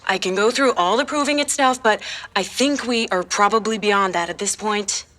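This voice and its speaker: A woman's voice: medium pitch, normal speed, a bit bright, close to an everyday voice. A woman voice actor playing a girl's confident, urgent future self in a fiction podcast. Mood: urgent, assured.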